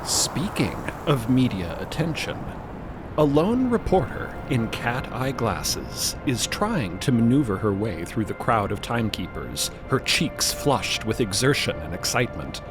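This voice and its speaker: Narrator: man, mid-pitched, expressive and animated scripted storytelling over a clear music bed. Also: a little slow.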